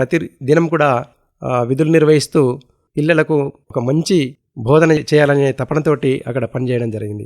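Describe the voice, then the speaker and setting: A man with a plain, everyday voice and a fairly high pitch talks with fairly even intonation in a dry, close sound with no echo. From Telangana, Adilabad district. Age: 50s. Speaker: politician, poet and former teacher. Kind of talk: radio interview. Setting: radio studio.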